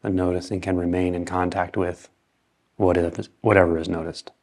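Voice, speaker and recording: Male meditation guide, low and steady with little pitch movement, calm short phrases and long pauses.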